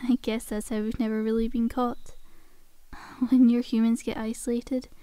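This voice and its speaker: A woman's voice: a little high, level tone, normal speed, warm tone, no room sound, natural voice. A woman playing a friendly, sly zombie girl in an ASMR roleplay, coaxing a survivor in a chummy, casual, faux-innocent way. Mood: sly, amused.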